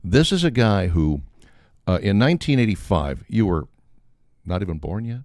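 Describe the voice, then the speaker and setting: Older man, deep and animated. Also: moderate pace, dry recording, studio quality. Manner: animated, acts out quoted dialogue. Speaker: storyteller on a talk show. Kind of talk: casual humorous anecdote telling.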